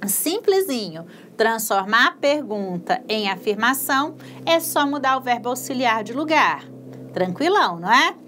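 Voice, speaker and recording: A Brazilian woman teaching English in a recorded video lesson, slowly spelling out English sentences word by word and explaining in a casual, encouraging way. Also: fairly high pitch, big pitch swings, fairly bright tone, a little hiss or hum. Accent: Brazilian Portuguese.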